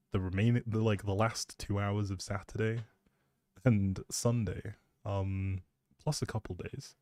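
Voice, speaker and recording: A man's voice: fairly low pitch, dark tone, no room sound. A man hosting a livestream, rambling casually and chattily, often breaking off mid-thought, speaking close to the mic. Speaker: live streamer, host.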